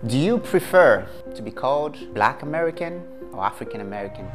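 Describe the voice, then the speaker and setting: A male host opens the show in an upbeat, welcoming way. He speaks at a measured pace and at a middling pitch. Music plays under his voice. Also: expressive. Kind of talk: hosting an interview.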